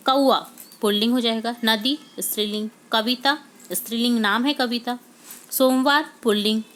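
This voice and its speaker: A woman teacher with a somewhat high voice goes through a workbook answer by answer. She explains patiently, step by step, and keeps checking in with her students as she moves from one item to the next. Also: a bit bright. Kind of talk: worksheet solution lesson.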